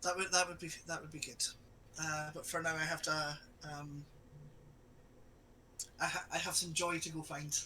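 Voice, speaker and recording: Man, game player, higher pitch, very sharp bright tone, casual chat, searching for words. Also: flat delivery, moderate pace, long pauses, a little hiss or hum, low-quality recording. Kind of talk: casual game chat, describing his character's actions.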